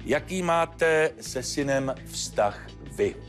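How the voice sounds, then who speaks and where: An actor playing a stern, formal judge who admonishes the parties with frequent hesitant fillers. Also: male voice, on the high side, animated, faint music behind, close to an everyday voice. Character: stern measured male judge, controlled. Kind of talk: courtroom TV show acting.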